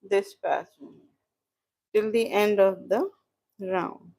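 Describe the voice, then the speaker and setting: Woman, South Asian accent, casual craft tutorial, mid-pitched voice, halting, repetitive explanations. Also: fairly even intonation, vocal fry, mellow. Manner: halting, explanatory, repeats herself. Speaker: crochet instructor and live streamer. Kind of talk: casual crochet tutorial, chatting with viewers.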